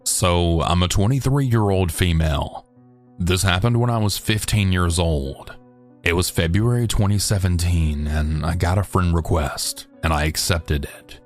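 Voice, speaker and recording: A man reading a listener's true story aloud in a steady, measured storytelling voice. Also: sits low, soft background music. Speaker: narrator.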